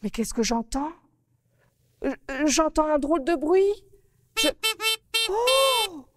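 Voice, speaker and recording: A woman's voice: sits high, big pitch swings, slow pace, in a large hall, noisy background, voice pushed up, heavily acted. Woman doing a fretful, squealing storybook girl. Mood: fretful flustered. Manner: exclaiming, stammering, talks to the children. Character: fretful young woman with a flower on her nose. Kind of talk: children's television storytelling.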